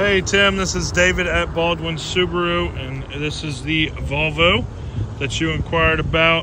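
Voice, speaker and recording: Noticeable background noise sits behind a man speaking at a fairly slow pace. The sound is dry, with no echo. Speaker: car salesman. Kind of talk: casual walkaround commentary. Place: street. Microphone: phone near.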